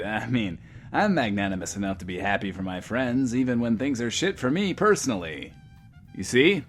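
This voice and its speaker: A man's voice: mid-range voice, a bit bright. A man playing a vain, sardonic post-apocalyptic radio host, grandiose and self-pitying, in an audio drama. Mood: forced cheer.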